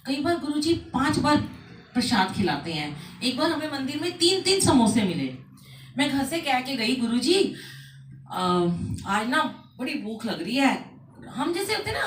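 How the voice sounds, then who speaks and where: At an indoor home satsang, a middle-aged woman with a voice on the high side tells animated devotional anecdotes, voicing the people in them. The room is echoey and the microphone picks her up from a distance.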